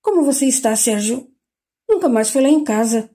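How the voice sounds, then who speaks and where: A woman's voice: on the high side, expressive, normal speed, mellow, breathy edge. A woman with a Brazilian Portuguese accent voicing an arrogant, disapproving older mother who talks coldly. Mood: haughty. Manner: arrogant, cold.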